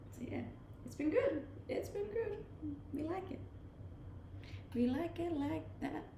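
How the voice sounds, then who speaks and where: A woman's voice: very high-pitched, expressive, slow pace, vocal fry, pauses often. A young woman from Denmark with a slight Danish accent mixed from living abroad, chatting casually with her viewers as she reads their comments. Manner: laid-back, chatty, often laughing. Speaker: streamer. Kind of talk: casual chat reading live comments. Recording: echoey room, faint ambient noise.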